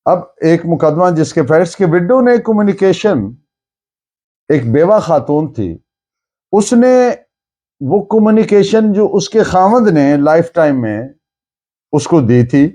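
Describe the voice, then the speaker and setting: A man's voice: on the high side, lively intonation, takes it slowly, pauses often, dark tone. A man with a Pakistani accent lecturing on law, didactic and emphatic, repeating key phrases and mixing in English legal terms. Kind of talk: lecture, explaining and dictating case citations.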